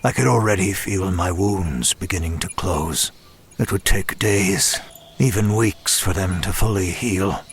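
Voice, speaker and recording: A man playing a broken, self-loathing demon who narrates a horror audio drama in a grave, measured way. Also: deep voice, slight background noise. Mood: weary anguish. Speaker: first-person narrator.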